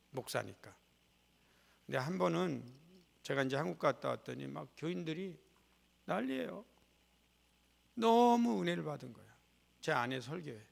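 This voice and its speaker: A man's voice: medium pitch, vocal fry. A middle-aged male guest preacher telling a personal story in a folksy, humorous, conversational sermon style. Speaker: guest preacher at a revival meeting. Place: church sanctuary. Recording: long reverb of a church sanctuary.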